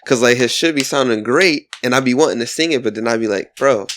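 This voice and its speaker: A man's voice: medium pitch, quick pace, a bit bright. A man in a casual podcast chat who talks in a laid-back, rambling way and laughs often.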